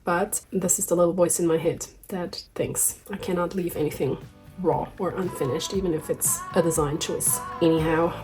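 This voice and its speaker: A woman's voice: lowish voice, fairly even intonation, normal speed, a little mellow. Woman, slightly sick voice, chatty sewing-vlog narration, faint music behind. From Austria. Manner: chatty, self-deprecating asides. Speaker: sewing vlogger.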